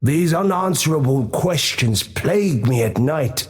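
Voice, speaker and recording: A man's voice: a little high, expressive, a little slow, darkish tone. A man playing a thoughtful, doubting dead tribal adviser, speaking formally in a fantasy game. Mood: pensive, troubled. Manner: formal, pensive.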